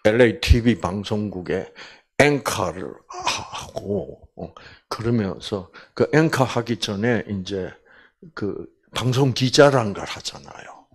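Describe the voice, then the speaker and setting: Older man, Bible lecturer, husky voice, slow unhurried delivery, lively swooping pitch. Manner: animated, with many fillers and acted quotes.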